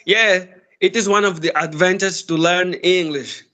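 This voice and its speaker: In a casual chat, a friendly Angolan man talks with a conversation partner in a higher voice that sounds pushed and bright. Portuguese is his first language, and he has an Angolan Portuguese accent. His tone stays steady and a little slow, and he comes across as thoughtful and laughs often.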